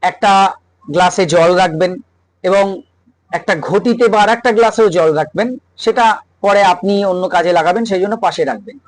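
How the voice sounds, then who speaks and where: High-voiced Bengali man explaining rituals. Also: dry recording, rough recording. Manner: explains patiently, checks in with listeners. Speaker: reiki teacher. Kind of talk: spiritual advice talk.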